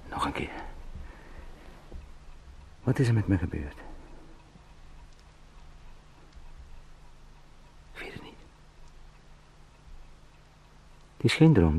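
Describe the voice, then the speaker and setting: An anxious travelling salesman who has become a helpless beetle, in a radio play monologue. His voice is low and gravelly, halting and inward, sinking toward whispers. There is faint noise behind it. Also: a little mellow. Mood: bewildered. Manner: halting, introspective, drifting into whispers.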